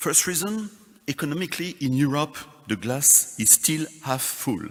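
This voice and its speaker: A man talks with a strong French accent at a moderate pace. His pitch is fairly high and his intonation lively. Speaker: business federation president. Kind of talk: conference keynote speech.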